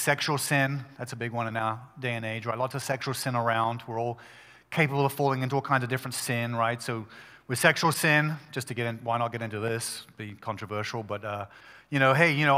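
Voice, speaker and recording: A male pastor preaching a sermon at a pulpit microphone, talking in an emphatic, conversational way with quick restarts. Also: medium pitch, sharp tone, smooth, long reverb tail.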